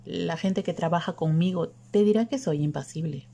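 A woman's voice: on the low side, moderate pace, vocal fry, mellow, husky. A woman voicing an impatient, restless older woman in an audiobook, speaking with a raised, urgent delivery. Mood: brisk.

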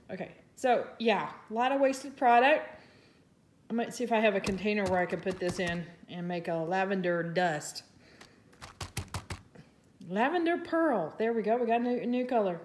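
A woman's voice: medium pitch, moderate pace, a little hiss or hum. A woman chatting casually as she demonstrates resin crafting at a table, thinking aloud and poking fun at herself, with a voice others call soothing. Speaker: resin artist, channel host. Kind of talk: casual crafting tutorial narration.

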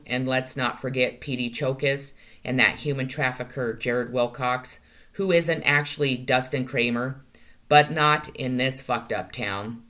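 A woman's voice: extremely low pitch, fairly bright tone. A middle-aged woman speaking to camera in a monologue, occasionally stumbling and correcting herself, recorded on a webcam in a small room at home. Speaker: vlogger. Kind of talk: monologue to camera, delivering claimed channeled messages.

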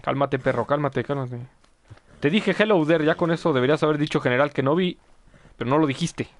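A man's voice: fairly high pitch, fast, no echo. A man commenting live on his gameplay, chatting with viewers and yelping at mishaps. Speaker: gaming streamer.

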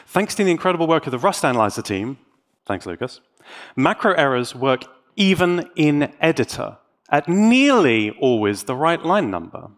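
A man delivers a technical talk to a live conference. His pitch moves around in a lively way, and he comes across as playful and enthusiastic, dropping in wry asides as he explains. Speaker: conference speaker and tech YouTuber.

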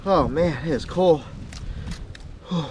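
A man in his forties vlogging outdoors in snowy woods at night, chatty and quick to laugh, with his camera mic catching the wind. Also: a little high. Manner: chatty, laughs often, exclaims at the cold. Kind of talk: casual outdoor vlog. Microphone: camera mic, wind noise. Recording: windy outdoor camera audio.

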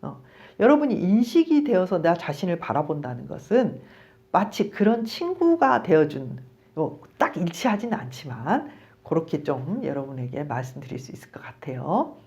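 A woman's voice: on the low side, moderate pace. A middle-aged woman, a psychology professor, giving a conversational video lecture on counseling and acting out bits of dialogue. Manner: animated, conversational, acts out quoted dialogue.

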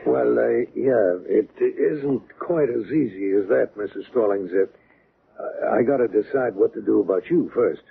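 An actor in a 1970s radio drama playing a by-the-book police sergeant with a folksy, hesitant manner. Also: male voice, medium pitch, measured pace, creaky. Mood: probing. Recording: muffled, noisy old radio recording.

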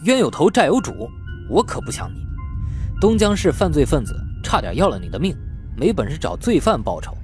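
A male narrator plays a brash young man who talks back to the police. His lines swing widely in pitch, defiant and sarcastic, over faint music. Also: very animated, a little fast, darkish tone. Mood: taunting. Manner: indignant, sarcastic, argumentative. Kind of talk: audiobook character acting.

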